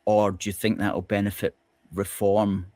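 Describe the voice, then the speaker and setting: A man asks his guest questions in a measured, halting way, pausing on fillers as he thinks. His voice sits low, and the recording is bone dry with no room sound. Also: flat delivery, mellow, dry recording. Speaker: interviewer. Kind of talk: political interview.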